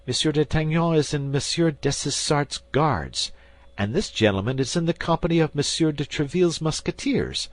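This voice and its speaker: A man's voice: animated, moderate pace, no echo, natural voice. A man voicing a frantic, fawning middle-aged landlord in an audiobook, pleading and whining. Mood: indignant. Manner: pleading, panicky, high and whining. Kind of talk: audiobook character voice.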